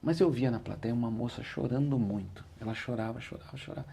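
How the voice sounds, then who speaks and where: A man's voice: mid-range voice, quick pace, creaky, mellow, breathy edge. A man with a Brazilian Portuguese accent, an interview guest and motivational speaker, telling his story in an earnest, reflective way. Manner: earnest, repeats "said like this" when quoting himself.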